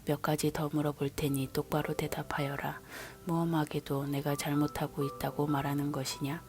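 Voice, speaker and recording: A woman's voice: low-pitched, level tone, moderate pace. A woman reading God's words to a man in an unvoiced whisper, as a whispered scripture reading. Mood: challenging. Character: almighty God questioning a man. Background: soft background music.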